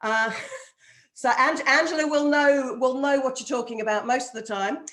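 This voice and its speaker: A woman speaks high for her sex, at a fairly quick pace. Her intonation is lively and her tone animated. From UK. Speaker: on-camera confidence coach. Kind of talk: live Q&A on video call.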